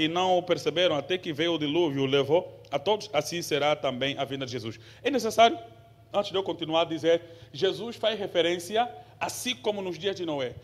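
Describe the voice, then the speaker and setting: High, bright-voiced pastor. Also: male voice. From Angola. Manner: conversational teaching that builds to forceful preaching, with rhetorical questions. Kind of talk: Bible teaching sermon.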